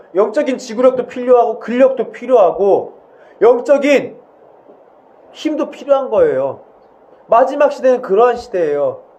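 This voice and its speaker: With audible room echo, a man at an extremely high pitch speaks at a moderate pace with ordinary pitch variation and long, frequent pauses. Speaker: pastor. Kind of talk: sermon.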